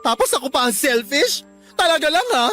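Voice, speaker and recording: High-voiced, effeminate Filipino gay young father. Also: very animated, brisk, pushed and bright, soft background music, exaggerated voice. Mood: indignant, hurt. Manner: theatrical, indignant, dismissive. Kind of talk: Filipino radio drama acting.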